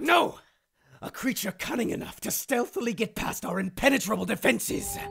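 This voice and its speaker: A gravelly, raspy cartoonish character voice with a fairly high pitch and a moderate pace. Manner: loud, dramatic.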